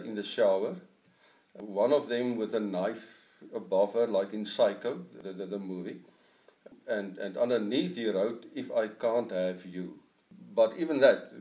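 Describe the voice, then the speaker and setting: A middle-aged man with an Afrikaans accent talks about his writing in an interview, pausing often to find his English words. His voice sits a little low. He sounds distant from the mic in an echoey room. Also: darkish tone. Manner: halting, searching for English words. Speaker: author.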